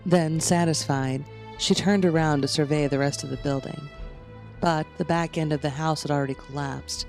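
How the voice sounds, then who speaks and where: Higher-pitched, creaky-voiced male story narrator. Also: fairly even intonation, normal speed, a little mellow. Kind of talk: scripted horror story narration, third person. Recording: music under the voice.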